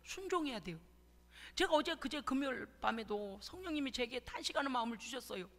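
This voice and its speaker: A middle-aged woman pastor giving an emotional sermon, swinging from whispers to shouts and acting out prayers. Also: sits high, lively intonation, quick pace. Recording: church hall with long reverb.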